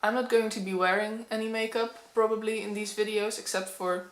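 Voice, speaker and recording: A woman's voice: medium pitch, steady tone, brisk. Woman with a Dutch accent, twenties, candid nervous chat, ums, echoey room. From Netherlands. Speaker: book vlogger. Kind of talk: casual talking-to-camera vlog.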